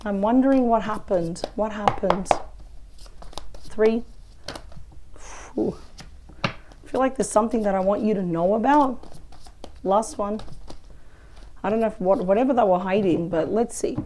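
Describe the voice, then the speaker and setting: A woman with a weak, croaky voice from a cold, chatting through a weekly tarot reading. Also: medium pitch, measured pace, long pauses, mellow, slight background noise. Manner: chatty, thinks aloud over the cards. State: hoarse from a cold. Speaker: tarot reader. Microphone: close microphone.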